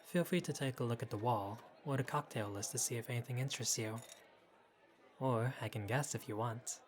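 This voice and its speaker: A man's voice: medium pitch, a little fast, lightly acted. A man playing a flirty, easygoing bartender who teases and chats with a patron in an audio roleplay. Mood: playful, inviting. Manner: playful, teasing, casual. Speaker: bartender character. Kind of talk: intimate audio roleplay, conversational acting.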